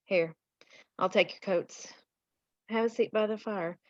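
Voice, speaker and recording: A woman's voice: mid-range voice, measured pace, dry recording, close to an everyday voice. Woman playing polite housewife, dry muffled sound. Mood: welcoming. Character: polite, hospitable wife and mother at home. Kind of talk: screenplay table read acting.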